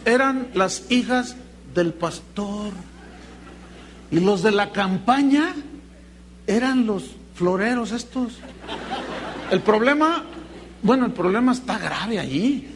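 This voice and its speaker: A pastor with a fairly high voice delivers a sermon full of acted anecdotes, telling stories with animation and switching into other people's voices when quoting them. A faint hum sits beneath the recording.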